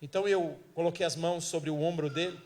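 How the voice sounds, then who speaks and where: A Brazilian man, a missionary evangelist, telling a testimony in a sermon, moving from hushed lines to shouted ones. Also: on the high side, steady tone, fast. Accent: Brazilian Portuguese. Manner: storytelling preacher, swings from hushed to shouting.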